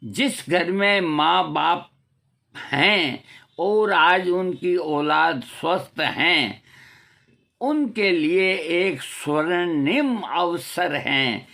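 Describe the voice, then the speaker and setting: A man's voice: sits high, vocal fry, pushed and bright. An older man giving a preachy, scolding talk with rhetorical questions, as a homeopathy vlogger. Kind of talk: moral talk to camera.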